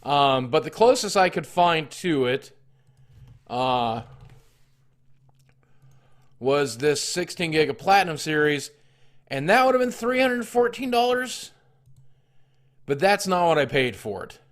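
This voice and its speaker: A man talks casually to his live-stream viewers in a slightly high voice. He reads messages and tallies prices aloud, stopping often for ums and uhs. Now and then he clears his throat while chewing cough drops. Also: sing-song. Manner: reads chat and tallies costs aloud, halting with fillers.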